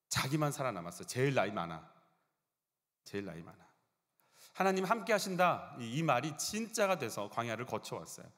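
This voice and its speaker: Male pastor, conversational sermon, animated delivery, church reverb. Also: on the high side. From South Korea. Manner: conversational preaching, asks the congregation questions. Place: church sanctuary.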